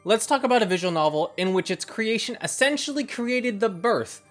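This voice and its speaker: A man hosting a video essay, reading scripted narration in a measured, reflective way over opinions and recollections. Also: high voice, lively intonation, a bit bright. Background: background music.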